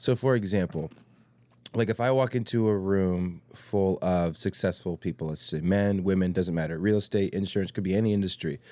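Against a very clean recording with a silent background, a man speaks at a fairly quick pace with a very deep, low pitch, a dark, mellow tone and ordinary pitch variation. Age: 20s. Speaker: podcast guest. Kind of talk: casual chat.

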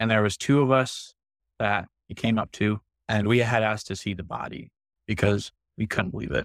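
A man with a fairly low pitch talks at a fairly quick pace, leaving long, frequent pauses, his intonation fairly even. The recording is very clean with a silent background and a dry, close sound with no echo. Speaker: personal trainer sharing a suicide loss story. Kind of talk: personal testimony in interview.

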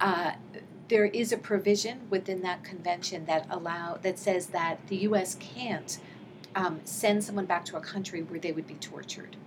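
Over noticeable background noise, a woman at a medium pitch speaks at a moderate pace with fairly even intonation and big swings in loudness. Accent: American. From New York City. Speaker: law professor. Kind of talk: interview.

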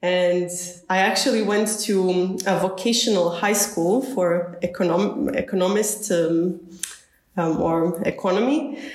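A woman with a Croatian accent speaks at a fairly slow pace and medium pitch, with ordinary pitch variation, very even loudness and audible room echo. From Croatia (Zagreb). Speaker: neuroscientist, lab head. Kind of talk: interview.

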